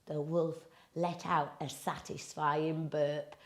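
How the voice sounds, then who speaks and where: A woman narrating a fairy tale for children in a dramatic, deliberate, expressive way. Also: low voice, very noisy. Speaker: children's storyteller. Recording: echoey room.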